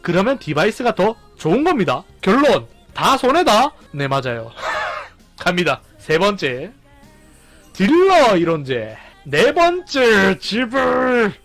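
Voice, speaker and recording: Man, gaming commentary, high voice, swinging pitch, loud exclamations, faint game music behind. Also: slow. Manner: animated, counting down and exclaiming loudly. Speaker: gaming streamer. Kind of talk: excited gameplay commentary.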